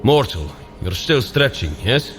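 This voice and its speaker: A man's voice: mid-range voice, big pitch swings, a little slow. A man playing a commanding yet friendly thunder god in an audio drama, with formal, old-fashioned, encouraging speech. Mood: friendly, instructing. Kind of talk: scripted audio drama acting. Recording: music clearly behind the voice.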